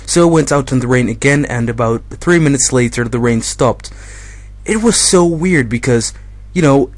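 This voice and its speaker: A young man commentating his own game in a casual, rambling way, his voice slightly hoarse from being a bit ill. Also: mid-range voice, no echo. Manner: chatty, rambling, self-correcting. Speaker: gaming commentator.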